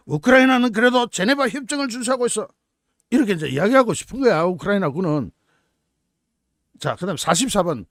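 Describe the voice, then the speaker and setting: A man's voice: sits high, breathy edge, no echo, studio quality. A man hosting his own channel, giving solo commentary in a sarcastic, incredulous way with many rhetorical questions. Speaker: channel host. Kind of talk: solo commentary reading out and mocking phrases.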